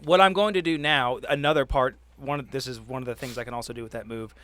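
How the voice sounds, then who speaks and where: Guy playing a tabletop rpg, bright forward voice, kinda halting as he works out moves. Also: medium pitch, fairly even intonation. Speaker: player in a tabletop game. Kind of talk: casual game talk.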